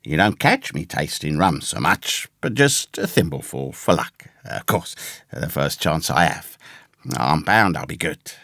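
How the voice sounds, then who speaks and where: A man voicing a ragged, pious, half-crazed castaway sailor with a hoarse, awkward voice and rambling rustic seaman's talk, in a storybook reading. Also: extremely low pitch, big pitch swings, unhurried, sharp tone, no echo, studio quality, pitched below the performer's own voice, heavily acted. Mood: confiding, rambling.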